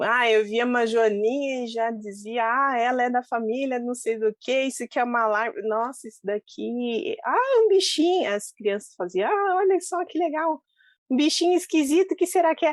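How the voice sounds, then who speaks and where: With a Curitiba accent, a woman talks at a moderate pace with hardly any pauses, her high pitch swinging very widely. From Curitiba, southern Brazil. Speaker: pharmacist. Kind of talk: interview.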